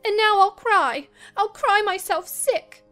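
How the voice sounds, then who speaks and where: Tempestuous spoiled girl, shrill-high pitch, tearful and dramatic, for a classic audiobook. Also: slow pace, fairly bright tone, soft background music, heavily acted. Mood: petulant, tearful. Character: wayward, spoiled, tempestuous teenage young lady. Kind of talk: dramatized audiobook character acting.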